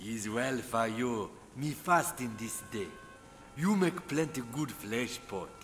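An actor playing a menacing, superstitious tribal chief in a game, speaking ominous broken pidgin English. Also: male voice, medium pitch, animated, slow, fairly bright tone, a little hiss or hum.

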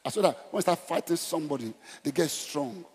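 The pastor, a middle-aged Nigerian man, is animated and a little fast, his voice on the high side, a bit mellow and slightly rough. He exhorts emphatically in short repeated phrases with a conversational turn during an evangelistic sermon, wearing a headset on a large auditorium stage amid echoing hall acoustics.

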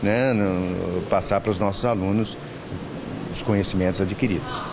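Brazilian man, 50s, earnest advice-giver, low voice, lo-fi handheld mic with clear hall noise behind. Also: fairly even intonation, a little slow. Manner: earnest, advice-giving, many restarts. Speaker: school staff member interviewed. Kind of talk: on-camera event interview. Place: indoor school fair hall. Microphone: handheld mic held by interviewer.

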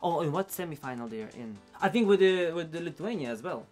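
A man's voice: fairly high pitch, expressive, quick pace, darkish tone, faint music behind. A young man, a drag queen host, giving casual reaction commentary. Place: small indoor studio set.

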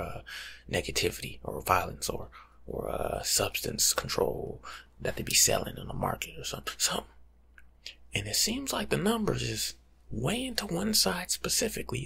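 A young American man speaks in soft ASMR tones, half-whispered and very breathy. His voice is gravelly and swings animatedly up and down as he lectures in casual, teasing slang. He sounds close to the microphone. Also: fairly low pitch. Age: young adult. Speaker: ASMR creator playing a life coach. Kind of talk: soft-spoken ASMR, casual advice monologue. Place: small home room, seated indoors.

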